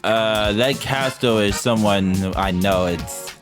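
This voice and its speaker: As a streamer, a man reads a visual novel aloud with casual, irreverent asides, a let's-play translation with commentary set over game music. His voice is lowish and his pace slow.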